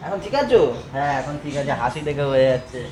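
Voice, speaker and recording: A man's voice: fairly high pitch, lively intonation, fast talker, a little mellow, reverberant, a little hiss or hum. A man chatting through a casual family vlog, teasing and talking with his family off camera. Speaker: vlogger, father.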